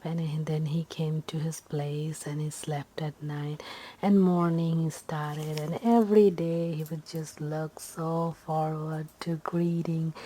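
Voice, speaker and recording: A woman telling a story in ASMR style, drifting between soft speech and whispering, in a halting, rambling way with simple wording. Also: sits low.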